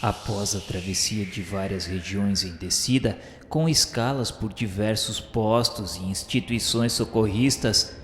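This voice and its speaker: A man giving solemn, measured literary narration for a radio drama, in a grave and formal manner. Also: lowish voice. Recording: long reverb over faint music. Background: faint music.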